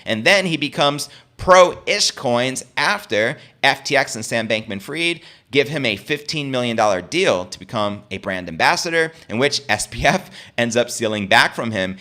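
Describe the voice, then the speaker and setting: A man's voice: mid-range voice, sharp tone. A man hosting a cryptocurrency news show, giving informal opinionated commentary in an emphatic, slangy way. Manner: emphatic, slangy, poses rhetorical questions to listeners.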